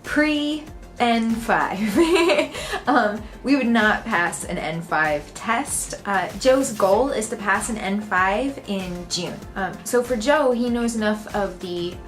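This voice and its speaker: An American woman talks to her camera at home in a relaxed, chatty way and often laughs. Her voice sits at an ordinary pitch for a woman. Soft music plays faintly behind her. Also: slow pace. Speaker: vlogger. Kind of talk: casual talk to camera.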